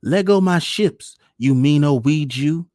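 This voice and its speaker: A man's voice: fairly low pitch, normal speed, darkish tone, no room sound, clean studio sound, voice pushed up. A man voicing a small, dreamy, easily upset boy with a rural Southern accent in a storybook reading. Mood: scolding, upset. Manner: pleading, childlike dialect speech.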